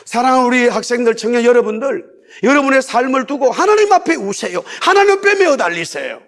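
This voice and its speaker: A man's voice: very high-pitched, lively intonation, quick pace, a bit bright. A man pastor preaching a sermon in church, stressing key words by repeating them and having the congregation repeat lines after him. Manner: leads the congregation in repeating phrases aloud. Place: church sanctuary.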